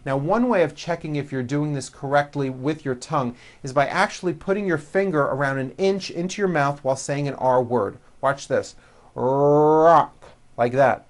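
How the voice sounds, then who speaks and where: A pronunciation teacher narrating a language lesson, giving instructions and enunciating example words with deliberate emphasis for the learner to repeat. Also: medium pitch. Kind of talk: language lesson narration with slow, repeat-after-me word drills.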